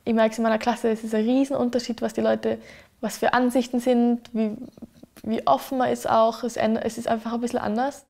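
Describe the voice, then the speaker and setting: A woman's voice: a little high, level tone, brisk, gravelly, darkish tone. A young woman, a student, speaking casually as she answers an interview question. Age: young adult.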